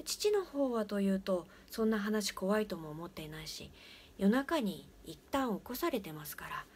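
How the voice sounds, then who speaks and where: Woman, ghost-story teller, hushed, often whispering, medium pitch, faint background noise.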